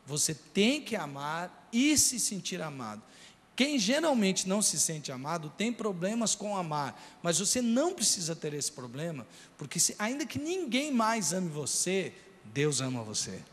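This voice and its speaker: A man's voice: high voice, big pitch swings, unhurried, fairly bright tone, in a large hall. A man with a Brazilian Portuguese accent preaching a sermon, telling a personal story earnestly and speaking straight to the congregation. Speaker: pastor.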